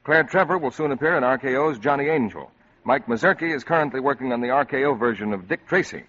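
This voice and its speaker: A man reading formal closing announcements in a 1940s radio broadcast, measured and official. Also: mid-range voice, expressive, fairly bright tone, highs cut off.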